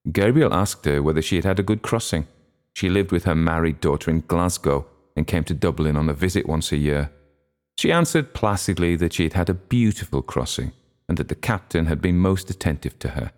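A man narrating a literary audiobook in a very low voice. His tone has a gravelly, creaky texture, and he reads in a measured, steady way.

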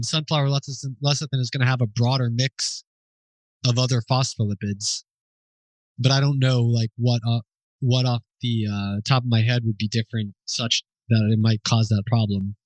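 A man answering listener questions off the cuff at a mid-range pitch, pausing to think and correcting himself as he goes. His voice sits close and dry, with almost no room sound around it. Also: no room sound, low-quality recording. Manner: thinking aloud, hesitant, with fillers and self-corrections; informal and explanatory.

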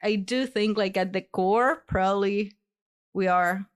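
A woman's voice: mid-range voice, measured pace, clear, resonant tone. A woman with a mid-range voice talks through her ideas on a conversational podcast. She hesitates often and fills the gaps with "like" while she thinks. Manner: hesitant, frequent "like" fillers. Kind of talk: reflective conversation.

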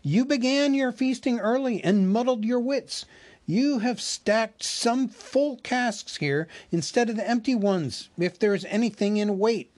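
A man reading an audiobook aloud, voicing a band of merry, tipsy male elves with loud, jeering voices. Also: very high-pitched, unhurried, voice pushed up. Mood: mocking. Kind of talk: audiobook character voice.

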